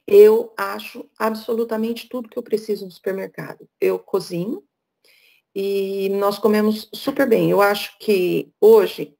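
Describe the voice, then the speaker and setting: A woman's voice: medium pitch, creaky, darkish tone. A middle-aged woman from Brazil, speaking as a guest speaker over a video call, frank and chatty. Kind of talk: casual talk on a video call.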